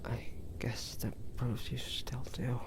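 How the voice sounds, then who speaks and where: A man playing a weary, vulnerable young hunter in an intimate romantic audio drama, speaking haltingly and tenderly, with devotion. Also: medium pitch, little pitch movement, in a whisper. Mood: hesitant, wondering. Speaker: amateur voice actor.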